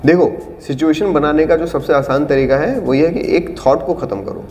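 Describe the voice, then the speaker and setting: A man's voice: a little high, normal speed, darkish tone. A man teaching an acting class, explaining auditions patiently and demonstrating lines in different tones and volumes. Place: acting studio room. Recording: reverberant room with faint background noise.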